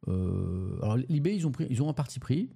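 A man hosting a casual live-stream review of the morning papers. He speaks haltingly, often restarts and repeats words, and asks his audience questions. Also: medium pitch, big pitch swings, creaky, warm tone, husky.

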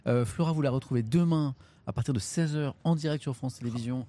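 A man hosting a live stream outdoors, casual and jokey, with lots of quick asides. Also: medium pitch, mellow. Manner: jokey, fast, interrupts often. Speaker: streamer host.

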